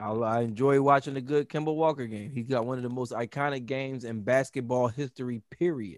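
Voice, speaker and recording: An animated tone comes at a fairly quick pace in a dry, close sound with no echo. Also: man. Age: 30s. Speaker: podcast host. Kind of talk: casual chat.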